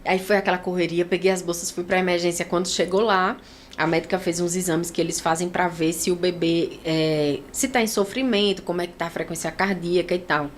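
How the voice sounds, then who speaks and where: Woman from Brazil, interview guest, emotional testimony, animated retelling, faint noise behind. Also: fairly low pitch, brisk. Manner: animated storytelling, acting out other people's lines. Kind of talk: emotional personal story.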